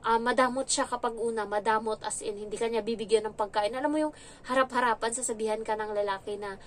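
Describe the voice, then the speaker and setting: A young adult woman from the Philippines talks in a casual, frank vlog voice that sits a little high. She gets animated when she retells scenes. A faint hiss runs under the recording. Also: quick pace. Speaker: vlogger, domestic helper.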